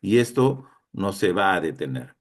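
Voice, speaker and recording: A man with a fairly low voice gives a conference lecture. He talks in a hesitant way, with frequent fillers and restarted phrases. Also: very animated, moderate pace.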